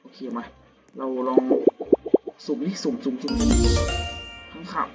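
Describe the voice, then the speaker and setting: A young man, still a student, giving casual gameplay commentary at home at night, slangy and crude with excitable outbursts. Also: medium pitch, normal speed. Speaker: gamer. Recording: dull lo-fi audio with game music.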